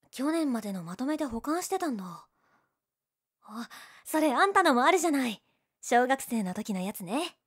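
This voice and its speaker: A young woman playing a teasing, prickly, secretly lovestruck tsundere childhood friend in a romantic audio drama. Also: fairly high pitch. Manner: bratty teasing, flustered, emotive.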